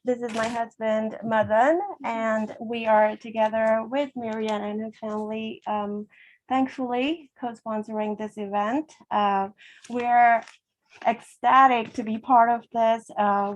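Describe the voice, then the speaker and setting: A woman from Sri Lanka speaking as a co-sponsor at a ceremony, emotional and grateful, often laughing softly as she talks. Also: fairly high pitch, little pitch movement, a little slow, rough recording. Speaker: event co-sponsor. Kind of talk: heartfelt speech at a ceremony.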